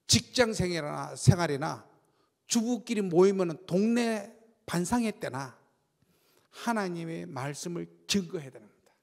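An older man giving a lively sermon testimony in a church, telling stories with shouts and sound effects. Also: high-pitched, creaky. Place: church sanctuary. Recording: long church-hall reverb.

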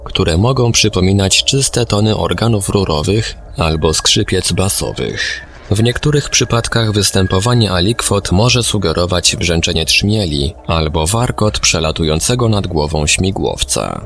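A man narrating a scripted documentary audiobook in speech, with a measured, formal delivery. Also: sits low, lively intonation, fairly bright tone, slight background noise.

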